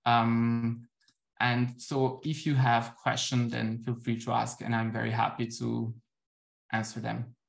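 A man's voice: mid-range voice, completely flat delivery, takes it slowly, creaky. A young man presenting research on a video call, explaining steadily with frequent ums. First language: Italian. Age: young adult. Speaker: conference presenter. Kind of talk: academic talk and Q&A answer. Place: indoor room at home. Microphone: laptop webcam on a video call.

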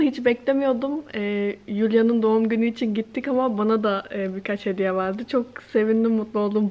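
A woman's voice: medium pitch, muffled recording. A woman, chatting casually to the camera in a giggly, hesitant way. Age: late twenties. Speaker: vlogger. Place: bright living room with plants by windows; some clips in a mall and restaurant. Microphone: camera at arm's length. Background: music.

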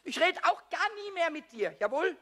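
Small cheeky kobold: screechy, high-pitched, boastful, melodramatic, for a children's audio drama. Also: male voice, very animated, moderate pace, noisy background. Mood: defiant, cheeky. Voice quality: squeaky, screechy. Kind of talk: German children's radio play.

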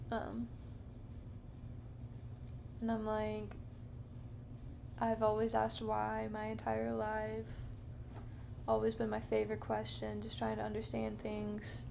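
A woman in her thirties hosting a podcast alone, rambling slowly and softly in a dim living room at night, with many fillers. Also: fairly high pitch, gravelly, background noise. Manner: slow, meandering, soft-spoken with many fillers. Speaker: podcast host. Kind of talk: rambling casual monologue. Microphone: camera close up, handheld or on a low stand.

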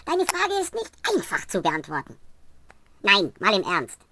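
A woman's voice: mid-range voice, wildly swooping pitch, unhurried, slight background noise. A woman voicing a tiny, self-important male elf with a testy, pedantic, teasing manner in a fantasy audio story. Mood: teasing, instructive.

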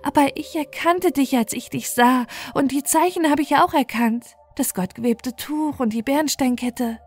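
A woman's voice: sits high, normal speed, a little mellow, soft background music, pitched above the performer's own voice, close to an everyday voice. A woman voicing a heartbroken beggar mother in a fairy tale, imploring and emotional. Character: pleading, heartbroken beggar woman seeking her lost son.

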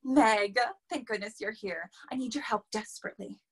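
A woman's voice: on the high side, normal speed, husky. A young woman playing a flustered, theatrical opera performer in a staged reading. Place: plain room, video call.

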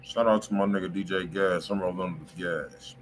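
A man's voice: low-pitched, steady tone, moderate pace, a little hiss or hum. An American man co-hosting a livestream in casual, slangy, profane chat. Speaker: livestream co-host.

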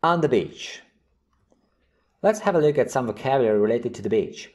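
A man hosting an English vocabulary lesson, reading example sentences and definitions slowly and clearly. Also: medium pitch, expressive, darkish tone. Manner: slow, carefully enunciated reading of example sentences. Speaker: English teacher.

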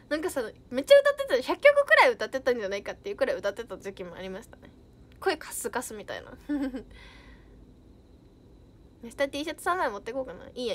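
A woman's voice: high-pitched, fairly bright tone. A young woman idol chatting casually on a livestream, reading out viewer comments with bubbly giggles.

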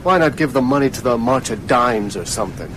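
An actor playing a blunt, irritable, uneasy gravedigger in a radio horror drama. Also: male voice, medium pitch, expressive, fairly quick, background noise, close to an everyday voice. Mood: startled, grumbling. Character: edgy, grumbling working-class male gravedigger.

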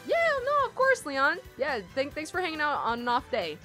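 A young woman hosting a casual game stream, loud and excitable, her throat strained from screaming. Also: sits high, normal speed. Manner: loud, excitable, shrieks at plays. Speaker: streamer host. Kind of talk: casual gaming stream chat. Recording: light game music behind.

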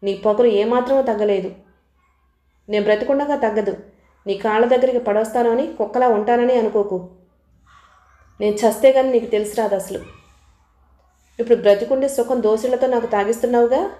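A woman reading the part of a scornful, sharp-tongued young wife, in a roomy-sounding recording. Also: fairly high pitch, brisk, lightly acted. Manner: scornful and cutting.

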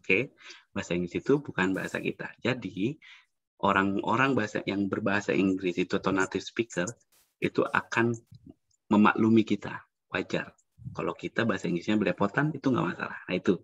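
Chatty male webinar presenter, low husky voice, muffled video-call sound. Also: a bit bright, dry recording. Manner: chatty, acts out example dialogues. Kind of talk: casual online teaching talk.

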